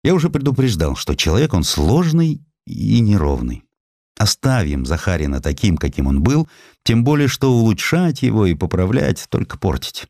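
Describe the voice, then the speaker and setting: A man narrating a literary audiobook in an expressive, dramatic and emphatic storytelling manner. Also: lowish voice, moderate pace, no room sound, clean studio sound.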